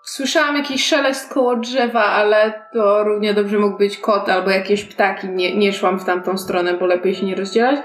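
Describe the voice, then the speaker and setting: A woman's voice: medium pitch, steady tone, moderate pace, few pauses. A woman chatting casually as a player in a tabletop role-playing game, speaking for her character. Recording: roomy echo, faint music behind.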